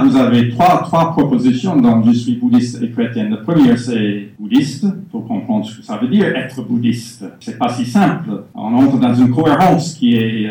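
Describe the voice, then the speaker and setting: A man's voice: medium pitch, warm tone. Man answering questions in a reverberant hall. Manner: measured, explanatory, with frequent pauses. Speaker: conference speaker. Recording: echoey hall, far from the mic.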